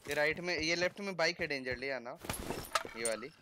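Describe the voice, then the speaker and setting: A man's voice: a little high, brisk. A man directing and teasing his squad during a game over a headset mic. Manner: bossy, animated directions and teasing. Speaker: squad teammate. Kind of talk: casual gaming voice chat. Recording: voice chat over game noise.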